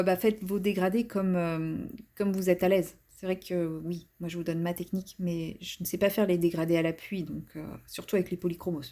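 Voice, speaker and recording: A woman's voice: on the low side, warm tone. A woman talking casually while she colors, rambling and poking fun at herself, with many fillers. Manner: chatty, self-mocking, rambling with fillers and restarts. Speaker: coloring channel host. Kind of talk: casual color-along commentary.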